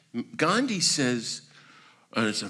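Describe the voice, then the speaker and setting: A man speaks with an American accent. His tone is bright and sharp. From Washington DC. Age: 60s. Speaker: priest and peace activist. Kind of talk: interview. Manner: loud; animated.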